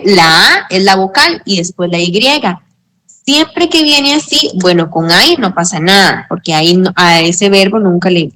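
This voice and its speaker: A woman teaching English grammar in a slow, patient way, often checking that students follow. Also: mid-range voice, bright, forceful tone, low-quality recording. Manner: slow, patient explaining with frequent check-ins. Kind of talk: online tutoring lesson.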